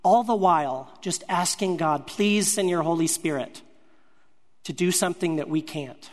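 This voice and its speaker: His voice notably high, a man preaches a storytelling sermon built around his ministry testimony. He stays earnest and measured, letting ideas come out in brief, broken phrases that resound with a large hall's long reverb.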